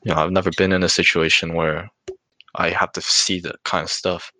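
A man's voice: deep voice, little pitch movement, fairly quick, sharp tone. A young man in casual chat, asking hesitant, inquisitive questions.

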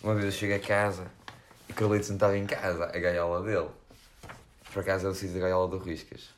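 A man's voice: sits low, flat delivery, fast, a little hiss or hum. A young man with a European Portuguese accent, co-hosting a casual podcast and telling rambling stories full of slang and fillers. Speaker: podcast co-host. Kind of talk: casual chat.

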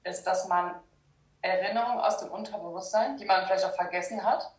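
A young adult woman from Germany explains her work in a relaxed interview. She talks hesitantly, with many fillers and restarts. She is heard from a distance, in an echoey room. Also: medium pitch, brisk. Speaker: guest, shadow work practitioner. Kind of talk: casual interview talk. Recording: roomy, distant sound.

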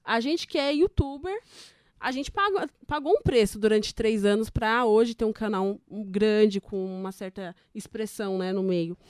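A woman's voice: medium pitch, a little slow, smooth, no echo, studio quality. A woman hosting an interview as a youtuber, asking thoughtful questions in an affirming way.

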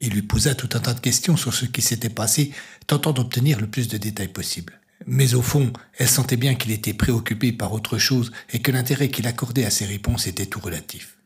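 A man narrating an audio story in a measured, steady way, with music underneath. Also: mid-range voice.

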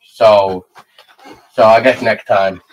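A man's voice: fairly low pitch, fairly even intonation, slow, muffled recording. Hesitant man hosting an interview. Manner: hesitant, many fillers. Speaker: podcast host. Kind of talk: casual interview chat.

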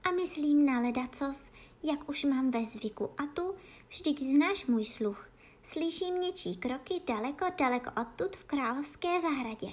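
A woman voicing a clever, sly female cat in a children's fairy tale, with a hushed, hissing delivery. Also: extremely high pitch, lively intonation, hardly any pauses, pitched above the performer's own voice. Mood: secretive.

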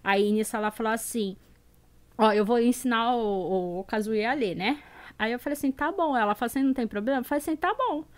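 A woman, a mother, chatting casually on a livestream and telling lively stories about her son with laughter. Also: on the high side, quick pace. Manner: animated, laughing storyteller. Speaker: mother of a boy.

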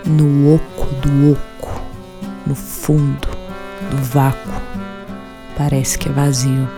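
A woman acting in a radio drama as a sinister, taunting inner voice, slow, menacing and poetic, with a Brazilian accent. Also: deep voice. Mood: eerie, ominous.

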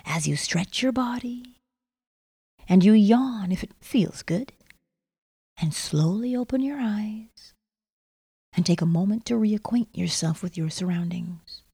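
Slow, breathy woman narrating sleep meditation. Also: mid-range voice. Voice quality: soft, breathy, often near a whisper. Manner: measured, instructional, with lingering pauses. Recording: long reverberant echo.

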